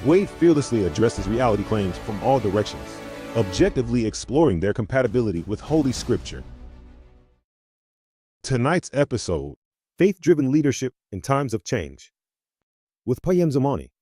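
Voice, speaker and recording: A man's voice: mid-range voice, big pitch swings, normal speed, mellow. A man announcing the program in a scripted show introduction. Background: music.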